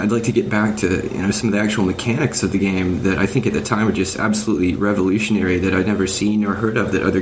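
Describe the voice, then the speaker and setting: Casting: male podcast panelist, lowish voice, measured and articulate, casual game talk, clearly noisy low-quality voice chat. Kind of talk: casual video game discussion.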